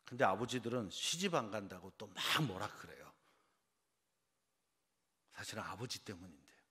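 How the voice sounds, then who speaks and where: Man, pastor, animated sermon delivery, quizzes the congregation, long church reverb. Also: lowish voice, moderate pace, husky. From Seoul, South Korea. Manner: engages the congregation with quiz questions. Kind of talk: early-morning sermon. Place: church sanctuary.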